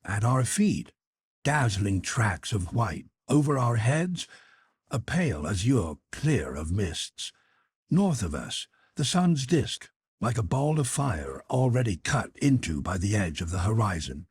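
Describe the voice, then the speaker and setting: Male narrator for classic adventure fiction. Very husky, closely recorded and dry, measured and articulate delivery. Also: medium pitch, a little mellow, no room sound. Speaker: audiobook narrator. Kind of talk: scripted literary narration of a classic adventure novel.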